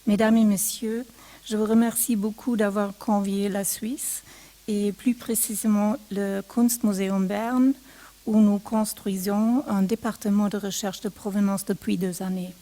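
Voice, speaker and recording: A woman who is not a native French speaker, a museum provenance researcher giving a formal lecture slowly and carefully, with some hesitations. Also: mid-range voice, little pitch movement, mellow. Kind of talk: formal academic lecture read aloud. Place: lecture hall seminar.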